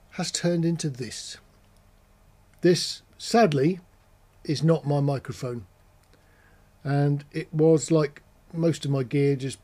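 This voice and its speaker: A man's voice: a little high, dark tone. A man giving a casual explainer as a presenter, talking in a matter-of-fact, conversational way, step by step. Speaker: presenter of an audio gear channel.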